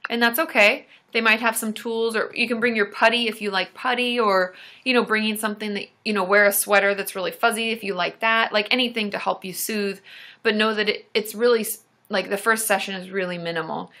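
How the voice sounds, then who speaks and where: A woman's voice: mid-range voice, fairly even intonation, brisk, pushed and bright. A young adult woman therapist hosting a casual live-stream Q&A, chatty and reassuring, with many fillers and restarts.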